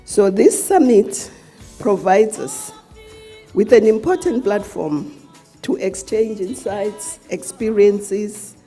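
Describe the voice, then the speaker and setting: A woman official giving a formal speech in a measured, deliberate way. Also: medium pitch, animated, warm tone, faint music behind. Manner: measured, deliberate, with small restarts. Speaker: official speaker.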